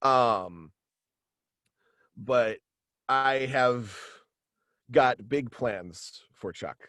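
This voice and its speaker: A man talking casually as an interview guest on a video call, halting and animated in manner. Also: mid-range voice, no room sound. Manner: halting and animated, slipping into quoted dialogue. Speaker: guest, voice actor and author. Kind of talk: casual interview chat about own radio play. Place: indoors at home, on a video call.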